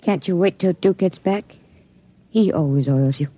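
An actress playing a nervous gangster's girlfriend in an old radio drama, breathy and anxious. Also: on the low side, moderate pace, dark tone, natural voice. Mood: uneasy. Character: fretful young gangster's girlfriend. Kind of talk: 1940s radio acting.

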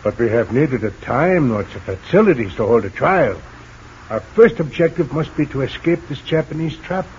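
Polite young underground leader, formal talk, old muffled radio with hiss. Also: male voice, mid-range voice, big pitch swings, normal speed, a little mellow. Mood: earnest. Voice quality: formal, courteous. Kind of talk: 1940s radio acting. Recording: dull old radio recording, faint hiss.

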